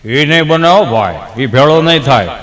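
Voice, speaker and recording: A man voicing a witty, dry old village grandfather in a low, slow drawl. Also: animated, fairly bright tone, in a large hall. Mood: stubborn.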